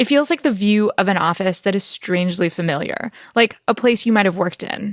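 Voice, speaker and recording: A woman speaks with an American accent. Her intonation is lively and her pace fairly quick. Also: dry, close sound with no echo. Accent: American-sounding. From India (Hyderabad). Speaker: podcast reporter. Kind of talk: narrated podcast storytelling.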